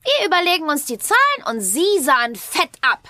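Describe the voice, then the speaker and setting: A cheeky teenage witch from a children's radio play. She is bright and forceful, with a bouncy, swooping delivery. The sound is close and dry. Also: extremely high pitch, very animated, normal speed, no room sound, full character voice. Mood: cheeky, eager. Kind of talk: children's audio drama acting.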